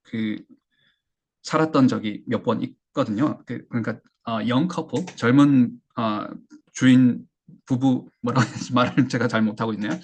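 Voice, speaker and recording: A man teaching an English listening lesson, talking haltingly with fillers and slowly drilling phrases. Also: mid-range voice, vocal fry, slightly rough. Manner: halting, with many fillers and restarts.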